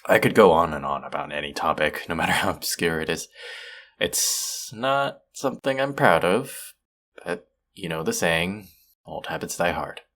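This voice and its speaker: Man acting deep-voiced awkward, sweet nervous rambler. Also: lively intonation, moderate pace, heavily acted. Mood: bashful, pleased. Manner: rambling, hesitant, self-deprecating, soft chuckles. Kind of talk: intimate one-sided audio roleplay, conversational.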